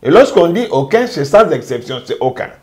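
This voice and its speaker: A man speaking as a jurist, making a measured, emphatic legal argument and driving points home by repeating them. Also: on the high side, big pitch swings, darkish tone. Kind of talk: interview commentary.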